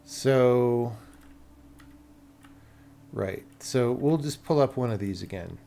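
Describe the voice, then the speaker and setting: A man's voice: mid-range voice, slow pace, creaky, warm tone. An American man talking casually on a livestream as a game developer, blunt and sweary, thinking aloud as he explains things to viewers.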